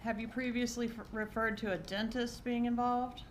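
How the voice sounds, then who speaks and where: In a noisy courtroom recording, a woman acting as prosecutor questions a witness with short, pointed queries. Her voice sits on the high side with fairly flat pitch, and she keeps a moderate pace.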